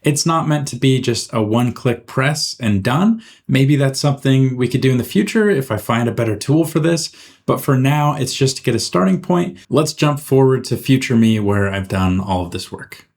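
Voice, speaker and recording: A man narrating a software tutorial in an informal, step-by-step way, as the host. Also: medium pitch, lively intonation, normal speed. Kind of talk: casual screen-recorded software tutorial narration.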